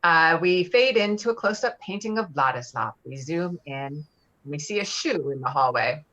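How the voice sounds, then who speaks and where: A woman's voice: low voice, lively intonation, normal speed, bright, forceful tone. Slightly muffled woman reading screenplay directions. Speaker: stage directions reader. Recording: slightly dull, lo-fi audio.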